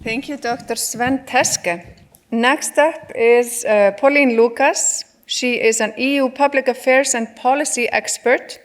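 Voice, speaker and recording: A woman moderating a conference session, reading a formal introduction of the next speaker in a steady manner. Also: a little high, unhurried.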